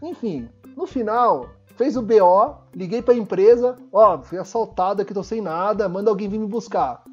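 A man telling a story on a podcast in casual chat, animated and acting out the people he quotes, on a slightly dull lo-fi mic. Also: high voice, moderate pace, husky, faint music behind. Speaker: podcast co-host.

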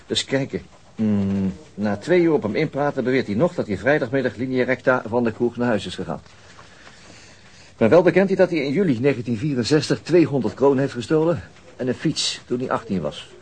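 Casting: actor as authoritative male chief detective, brisk delivery, mid-range voice, dry, radio play. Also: mid-range voice, lively intonation, darkish tone, a little hiss or hum, natural voice. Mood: dry, weary. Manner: dry, businesslike, commanding. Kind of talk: radio drama acting.

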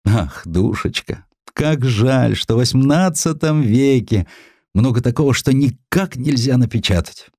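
A man's voice: mid-range voice, animated, measured pace, darkish tone, no echo, studio quality, voice pushed up. Guy doing a grumpy old general editor, plaintive and old-timey, voice goes up and down a lot, audiobook. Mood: wistful, indignant. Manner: querulous, plaintive, old-fashioned colloquial speech. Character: grumpy elderly Russian general turned magazine editor. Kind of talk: audiobook character acting.

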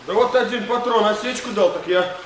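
A man's voice: high voice, fairly quick, fairly bright tone, slight background noise. An actor playing a cheerful, boastful young village man in a radio play. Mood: breezy. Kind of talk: Soviet radio play acting.

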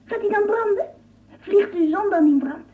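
A woman's voice: extremely high pitch, normal speed. A woman voicing a whimsical, inquisitive little girl with childlike prattle in a radio play. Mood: curious, playful. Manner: childlike prattle, endless naive questions. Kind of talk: Dutch radio play acting. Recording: muffled lo-fi old radio recording.

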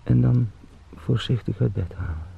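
An actor in a radio drama playing an anxious young travelling salesman trapped as a beetle, brooding in halting phrases. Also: mid-range voice, creaky. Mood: bewildered, brooding. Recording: muffled, with background noise.

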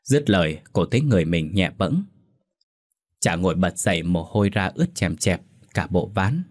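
A man narrating a village ghost story in a low, husky voice. He moves through the eerie events at a steady, dramatic storytelling pace. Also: normal speed, dry recording, studio quality.

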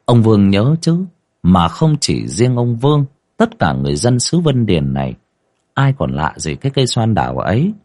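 With a voice on the low side and a normal pace, a man tells a ghost story in a dramatic, expressive way.

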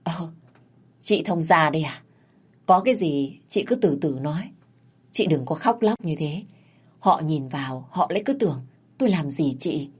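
A woman's voice: low-pitched, lively intonation, normal speed, long pauses, a little mellow, slightly rough. Woman voicing a skeptical wealthy older man. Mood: flustered.

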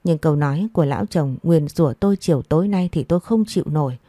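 A woman telling a sorrowful first-person story in measured scripted narration. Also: deep voice, dark tone, no room sound.

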